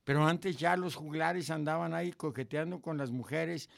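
A man's voice: a little high, moderate pace, gravelly. An older man with a Mexican Spanish accent, a guest musician telling boastful jokes and stories in casual chat. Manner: joking, boastful storyteller.

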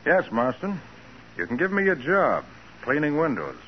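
An actor playing a cool, daring private detective with an American accent, confident and unruffled in 1940s radio crime drama style. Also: male voice, fairly high pitch, huge pitch swings, moderate pace. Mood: businesslike. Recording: dull, noisy 1940s radio recording.

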